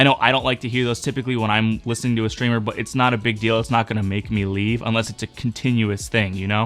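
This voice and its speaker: The voice has a medium pitch. It belongs to a man. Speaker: streaming tech youtuber. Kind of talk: tutorial.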